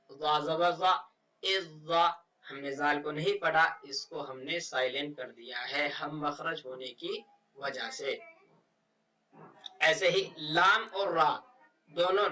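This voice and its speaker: A man teaching how to read the Quran, spelling out Arabic letters and words one slow syllable at a time. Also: sits high, bright, forceful tone, recorded from a distance, rough recording. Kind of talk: step-by-step recitation lesson.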